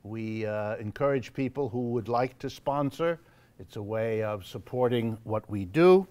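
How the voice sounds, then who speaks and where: A man hosting a live event in a church hall, making announcements to the audience in a measured, wry way with frequent pauses and fillers. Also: medium pitch, a little mellow. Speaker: host of a monthly lecture event.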